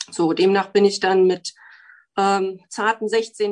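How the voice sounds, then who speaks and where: A woman at a very slow pace. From Torgau, Saxony. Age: 40s. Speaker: chef. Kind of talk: personal storytelling.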